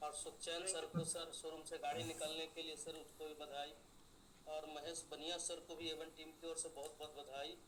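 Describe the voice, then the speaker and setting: In a room with audible echo and noticeable background noise, a man with a fairly high pitch speaks at a moderate pace in a monotone, flat intonation. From Bihar, India. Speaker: network marketing team leader. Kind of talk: video call announcement and congratulations. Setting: video call.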